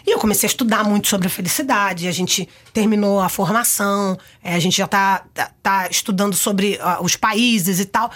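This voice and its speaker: A middle-aged Brazilian woman with a Brazilian accent, a guest on a talk show, telling stories in a lively, expressive way into a studio mic. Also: medium pitch, moderate pace, hardly any pauses. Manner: animated, expressive storyteller. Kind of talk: casual conversational interview. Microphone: studio microphone.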